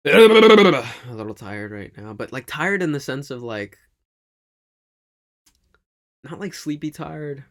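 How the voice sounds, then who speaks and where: Guy with lots of vocal fry just thinking out loud, kinda halting, casual storytime vlog. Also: fairly high pitch, sing-song. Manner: reflective, halting, often checks in with "right?". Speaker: vlog host. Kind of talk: rambling casual monologue to an audience.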